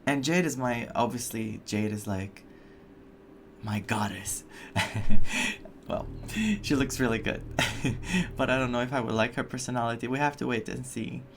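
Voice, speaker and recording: A man giving casual, animated, rambling reactions as he plays through a game. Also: mid-range voice, normal speed, slight background noise. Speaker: gaming streamer. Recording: game music under the commentary. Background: game music.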